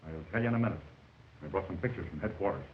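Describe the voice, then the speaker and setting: Man acting low stern detective, tinny early talkie. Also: racing, close to an everyday voice. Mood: suspicious, stern. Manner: stern, threatening. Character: gruff, suspicious male police detective. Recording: tinny, noisy 1920s film soundtrack.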